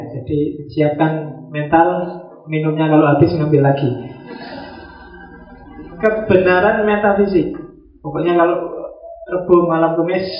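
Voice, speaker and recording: A man giving a relaxed, joking philosophy lecture to a class. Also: fairly high pitch. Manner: joking, conversational, acts out little quoted exchanges. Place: classroom with students. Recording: roomy, dull lo-fi classroom recording.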